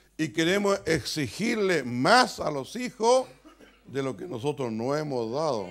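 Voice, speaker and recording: At a fairly slow pace, a man with a fairly high pitch makes very wide pitch swings. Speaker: church pastor preaching a sermon. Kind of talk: sermon preaching, reading aloud from a prophet's message. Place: church. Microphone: podium.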